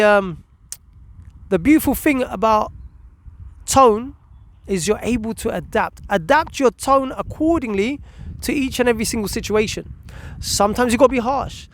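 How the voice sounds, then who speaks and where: A man presenting informal, motivational parenting advice, speaking emphatically in deliberate phrases with pauses. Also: high-pitched.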